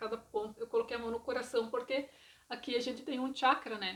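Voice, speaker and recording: The speaker is a woman. She talks with a rural Brazilian accent. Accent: rural Brazilian countryside. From rural Brazil, countryside. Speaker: reiki therapist and video creator. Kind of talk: casual talk to camera.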